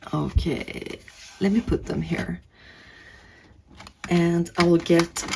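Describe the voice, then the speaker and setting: This woman's pitch is fairly low. She talks at a very slow pace. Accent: non-native. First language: not English. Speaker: tarot reader. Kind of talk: tarot reading. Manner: casual, halting.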